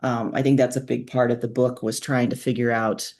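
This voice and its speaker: A woman talks as an interviewed author in relaxed conversational language. She reflects as she explains, stacking up examples and layering one point on the next. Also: a bass voice, fairly quick.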